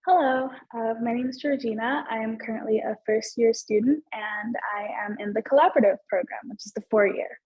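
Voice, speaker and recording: A first-year nursing student from Kenya, nervous and apologetic on a webinar panel. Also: female voice, fairly high pitch, a little fast, hardly any pauses, slightly rough. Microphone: video call. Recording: dull video-call audio.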